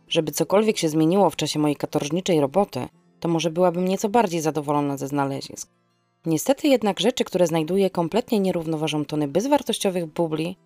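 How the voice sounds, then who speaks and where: A woman's voice: deep voice, a little mellow, no room sound. A woman hosting a podcast and narrating a scripted first-person story in a wry, theatrical manner.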